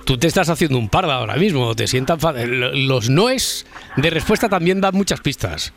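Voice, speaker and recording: A man's voice: mid-range voice, expressive, normal speed, vocal fry, a bit bright, soft background music. Chatty Spanish radio host man. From Spain. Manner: chatty, repeats words, eager. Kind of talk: late-night radio talk. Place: radio studio.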